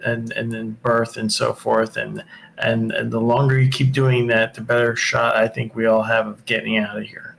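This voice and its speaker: Male guest, gravelly fry in a mid-pitched voice, casual chat over faint noise. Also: level tone, normal speed, fairly bright tone, rough recording. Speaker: guest on a livestream.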